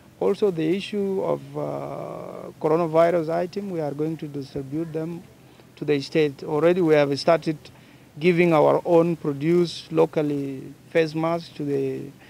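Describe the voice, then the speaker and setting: This man's voice has a dark, mellow tone and a fairly high pitch. He speaks at a moderate pace with fairly even intonation. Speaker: government official. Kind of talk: press briefing.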